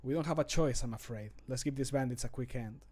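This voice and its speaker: A man voicing a grim, resolute fantasy adventurer for a video game, in measured, solemn phrases that fall away at the end. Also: mid-range voice, a little mellow, close to an everyday voice. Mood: solemn regret. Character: grim, resolute male fantasy adventurer who fights bandits. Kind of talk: scripted video game voice line. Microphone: close studio microphone.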